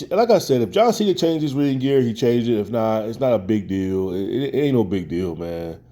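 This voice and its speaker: A man's voice: fairly low pitch, mellow. An American man giving casual, opinionated commentary as a wrestling fan, in colloquial speech, often repeating phrases for emphasis.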